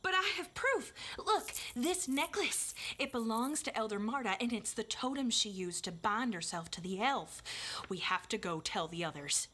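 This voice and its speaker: A woman's voice: fairly high pitch, expressive, moderate pace, pushed and bright. An actress playing a spirited, stubborn young village girl in an audio drama, plain-spoken, with rustic turns of phrase. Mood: pleading, determined.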